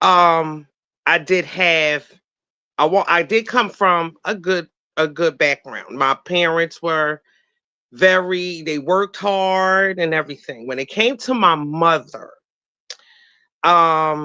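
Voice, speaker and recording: A woman with a bright, sharp tone, speaking at a very slow pace with long, frequent pauses. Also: fairly low pitch for a woman, ordinary pitch variation. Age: 50s. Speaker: stream participant. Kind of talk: personal testimony.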